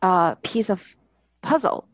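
A woman's voice: mid-range voice, lively intonation, takes it slowly, no echo. A woman from China speaks as an interview guest, reflective and earnest, in a medium voice of ordinary height. The sound is dry and close, with no room around it. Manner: reflective, earnest, repeats "exactly". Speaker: actress and coach, guest. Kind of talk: conversational interview.

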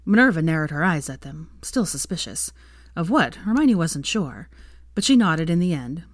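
A woman reads a fan story aloud in a calm, steady way. Her voice sits low, yet it moves freely up and down. The recording is close and dry. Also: dry recording. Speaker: fanfiction reader. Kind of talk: storybook narration.

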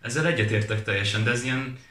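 A man's voice: medium pitch, a bit bright. A man chatting casually as a co-host and giving his opinions in a conversational way. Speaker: talk co-host. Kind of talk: casual chat. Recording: echoey room sound.

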